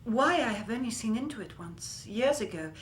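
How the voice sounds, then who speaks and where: Actress as an anxious young lady of the period, somewhat high-pitched. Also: animated, normal speed, heavy background noise, natural voice. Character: anxious young Victorian woman. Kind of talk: radio drama acting.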